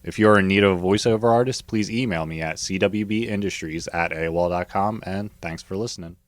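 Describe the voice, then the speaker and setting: Deep-voiced man, scripted voiceover read. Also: a little fast, dry recording. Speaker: voiceover artist. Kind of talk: scripted narration and advertising read.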